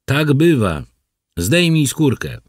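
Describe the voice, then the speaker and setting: A man reading an audiobook, voicing a gruff, bossy rural man who barks curt orders. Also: medium pitch, sing-song, takes it slowly, no room sound, studio quality, pitched above the performer's own voice. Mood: commanding. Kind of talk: audiobook character voice.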